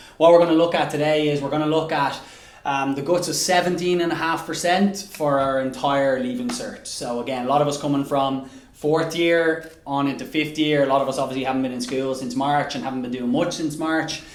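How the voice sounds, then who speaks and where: Speaking with a Dublin accent, a man with a fairly high pitch and ordinary pitch variation talks at a fairly quick pace amid audible room echo and noticeable background noise. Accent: Irish (Dublin). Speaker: teacher. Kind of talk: lecture. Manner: fast.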